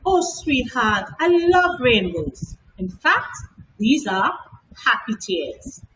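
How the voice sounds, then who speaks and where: A woman voicing a gentle, loving young mother who explains things soothingly and patiently in a children's storybook. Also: a little high, big pitch swings, slow, full character voice. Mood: loving, reassuring. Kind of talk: children's storybook read aloud. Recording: echoey room, distant mic, slight noise.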